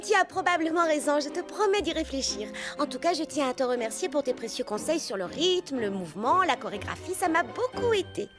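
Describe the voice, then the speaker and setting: High-pitched bookish, excitable cartoon heroine. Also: female voice, fairly quick, few pauses. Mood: polite. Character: bookish, excitable young female storyteller and skate inventor. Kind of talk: animated children's cartoon dubbing. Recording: background music under the voice.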